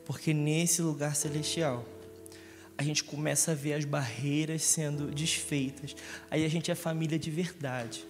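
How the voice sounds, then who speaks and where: A man preaches a Sunday sermon, joking often and asking the congregation questions. His voice sits high for a man. It carries a long church reverb, and music plays behind it. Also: fairly even intonation, measured pace. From Rio de Janeiro, Brazil. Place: church hall.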